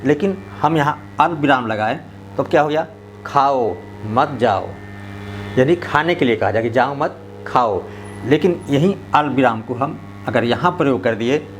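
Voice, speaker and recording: Guy teaching grammar, slow and deliberate, stretches out his examples, faint hum behind. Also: mid-range voice. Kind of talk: grammar lesson for parents and teachers.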